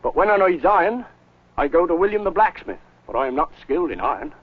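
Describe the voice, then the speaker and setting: An actor playing a humble, hard-working medieval village carpenter with rustic archaic speech, on an old educational film. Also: male voice, a little high, big pitch swings, quick pace, dry recording. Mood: plain, proud. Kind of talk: educational film historical acting. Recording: muffled old 16mm film soundtrack.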